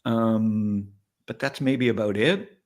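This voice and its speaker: Speaking low, slowly and with a slightly mellow quality, this startup investor in his late fifties rambles through a candid, casual interview as the guest. He frequently tosses in "right?" to check his listener is following.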